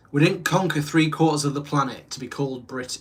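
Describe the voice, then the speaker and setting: The speaker is a man with a strong northern English accent. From northern England. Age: 30s. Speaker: streamer. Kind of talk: casual chat. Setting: live stream. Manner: stuttering.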